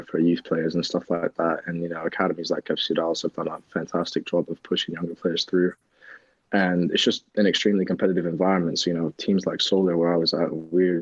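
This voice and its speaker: A young man from Texas with a mixed American and English accent, answering interview questions casually with lots of pauses, speaking into earbuds on a video call. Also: deep voice, slightly rough, no echo, dull audio. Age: young adult. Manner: relaxed, hesitant, many ums. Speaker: soccer player, guest.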